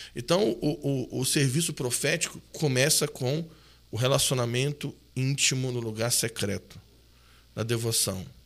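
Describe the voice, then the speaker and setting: A man with an unremarkable speaking voice talks at a fairly slow pace, his pitch medium and its variation ordinary. The recording is very clean, with a silent background. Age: 40s. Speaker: pastor. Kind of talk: casual chat. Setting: studio.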